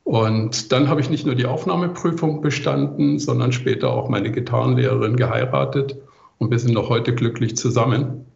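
A man's voice: medium pitch, normal speed, vocal fry, darkish tone, reverberant, highs cut off. A middle-aged or older man, telling his own story as an interview guest. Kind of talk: conversational autobiographical interview answers.

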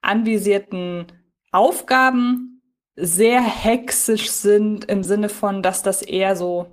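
A woman with a medium-pitched voice talks as a podcast co-host. She discusses things casually, in long sentences that circle and rephrase as she works toward her point. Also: fairly even intonation, slow. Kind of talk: casual podcast discussion of an audio drama episode.

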